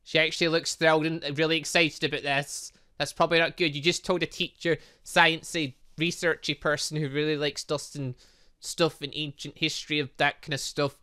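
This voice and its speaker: Gamer host, male, bright and sharp, chatty, rambling jokey asides, let's-play style. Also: fairly high pitch, little pitch movement, moderate pace, smooth. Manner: chatty, joking asides while reading a visual novel. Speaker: gaming channel host. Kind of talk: casual let's-play commentary.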